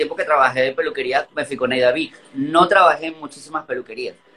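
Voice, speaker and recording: A man's voice with fairly even intonation. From Venezuela. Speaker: hairdresser. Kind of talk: casual chat.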